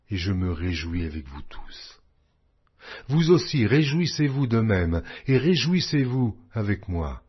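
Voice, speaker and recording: A man reading scripture as a scripted audiobook narration, in a solemn, measured and declamatory way. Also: on the low side, husky. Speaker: Bible narrator. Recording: dull, lo-fi audio.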